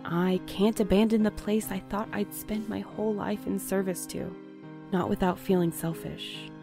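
A woman playing an earnest, guarded and conscientious postal worker in an audio drama, speaking in a measured, articulate way. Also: medium pitch, natural voice. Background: music.

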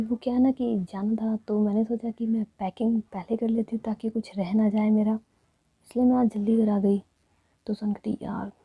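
A young woman telling a love story as whispered role-play, narrating and voicing each character herself in soft whispers. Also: medium pitch, vocal fry, breathy edge, no echo, narrow, tinny audio.

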